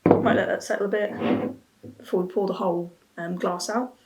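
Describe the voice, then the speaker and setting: A young woman chats casually to camera as a reviewer, with a medium-pitched voice. She thinks aloud, hesitating and restarting mid-thought. She is recorded in a small room at home on a camera mic a short way off. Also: fairly even intonation, fairly quick, heavy background noise. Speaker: beer and snack reviewer. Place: small plain room at home, seated at a table.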